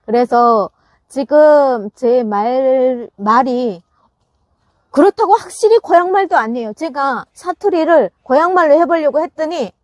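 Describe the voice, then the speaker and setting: A woman's voice: sits high, lively intonation, unhurried, darkish tone, no echo. A woman chatting casually to her viewers about gardening, laughing often and restarting her sentences as she talks. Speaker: gardening channel host. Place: farm greenhouse.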